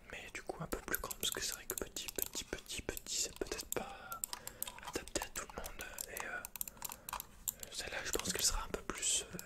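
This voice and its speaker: Young man whispering hesitantly. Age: young adult. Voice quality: breathy, unvoiced whisper. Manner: hesitant, halting, softly murmured. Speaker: ASMR performer playing a computer shop salesman. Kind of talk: whispered ASMR roleplay. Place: indoors, quiet room with dark backdrop.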